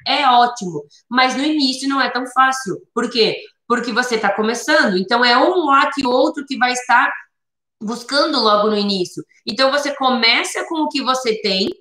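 Woman, fairly high pitch, bright voice, explaining teaching methods, echoey room. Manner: explanatory, repeats points with many "né?" tags. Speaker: Pilates instructor teaching other teachers. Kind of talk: instructional talk.

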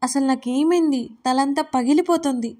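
A woman voicing an irritable, confused young woman with a hangover, complaining in sharp outbursts. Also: high-pitched, normal speed, close to an everyday voice. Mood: pleading.

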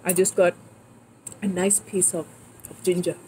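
A woman's voice: fairly low pitch, flat delivery, unhurried, dark tone. A woman in casual conversation outdoors, listening and responding in an affirming, reflective way. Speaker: friend listening and interviewing. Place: outdoor patio table. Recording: noisy outdoor ambience on open mic.

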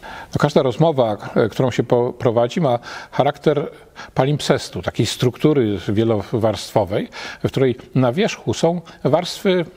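Middle-aged male scholar, mid-pitched voice, measured and reflective delivery with frequent hesitant pauses, lapel mic. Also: lively intonation, dark tone. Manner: measured, thoughtful, pausing often with hesitations. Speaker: literary scholar. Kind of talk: reflective spoken commentary. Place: empty lecture hall.

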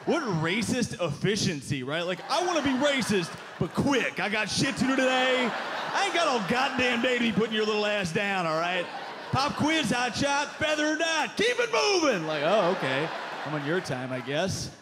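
A man in his thirties doing a stand-up set on a club stage with a handheld mic, punchy and animated, with loud put-on voices. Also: very high-pitched, normal speed. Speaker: stand-up comedian. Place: club stage before a live audience. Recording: live club recording with crowd noise. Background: audience laughter.

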